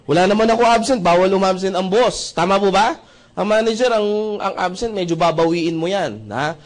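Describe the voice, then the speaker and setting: A young man from the Philippines giving an animated testimonial at a seminar, acting out conversations and often asking the audience to agree. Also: high voice, fairly quick. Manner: acts out dialogue with shifting voices, asks audience often. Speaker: seminar speaker.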